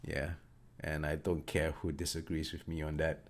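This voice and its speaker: A man's voice: very deep voice, flat delivery, normal speed, background noise. A man with a cold, sounding a little nasal, chatting enthusiastically about a story as a podcast co-host, with lots of fillers. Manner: enthusiastic, hesitant with many fillers. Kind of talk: casual book discussion.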